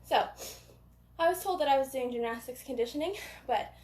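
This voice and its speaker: A woman's voice: sits high, fast, darkish tone. A woman coaching a gymnastics workout in a casual, self-deprecating way, out of breath from exertion. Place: indoor gym. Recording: echoey gym, roomy sound.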